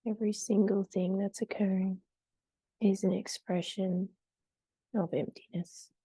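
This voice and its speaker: A woman guides a meditation in a very warm, relaxed voice. Her tone is husky with a creaky edge. She speaks gently and soothingly, leaving long pauses between phrases. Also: mid-range voice, dry recording.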